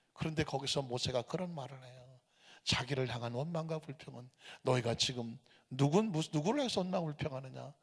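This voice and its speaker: A high-voiced man preaches a sermon, pitch swinging widely as he throws questions at the congregation. His voice carries a gravelly edge. The sound rings with the long reverb of a church sanctuary. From Seoul. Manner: animated, rhetorical questions to the congregation. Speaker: pastor.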